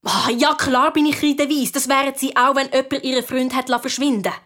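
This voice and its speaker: A woman playing a feisty high-voiced girl. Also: fairly even intonation, fairly bright tone. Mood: upset. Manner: feisty, quick to flare up. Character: girl Sophie, stubborn and excitable. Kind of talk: children's radio play acting.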